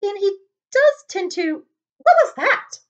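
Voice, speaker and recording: Woman playing a stern, high-pitched older lady professor. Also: very animated, takes it slowly, dull audio, exaggerated voice. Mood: worried.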